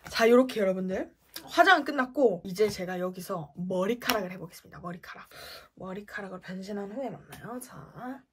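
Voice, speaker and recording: A young woman in her twenties talking through a makeup tutorial, playful, often dropping to a whisper between bright exclamations. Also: medium pitch, expressive, fairly quick, hardly any pauses, slight background noise. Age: 20s. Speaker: beauty vlogger.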